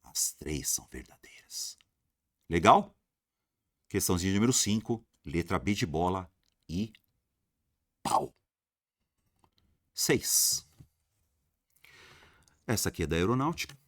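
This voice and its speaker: A man's voice: low-pitched, animated, slow, pauses often, dry recording, studio quality. A man teaching an exam-prep grammar lesson, repeating rules emphatically and answering imagined student questions.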